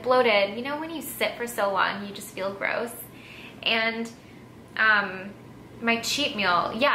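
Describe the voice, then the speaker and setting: A young American woman vlogger talks casually and informally to her viewers. Her voice is bright and forward. The room adds noticeable echo, with a little noise behind her. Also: fairly high pitch. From Texas, United States. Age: young adult. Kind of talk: casual chat, answering viewer assumptions. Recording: echoey room with faint background noise.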